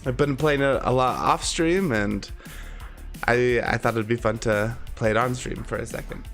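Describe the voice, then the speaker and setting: A man's voice: mid-range voice, moderate pace, a bit bright, soft background music. A man with a slightly congested, sniffly voice from a cold, chatting casually and conversationally to his live stream viewers. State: sick with a cold.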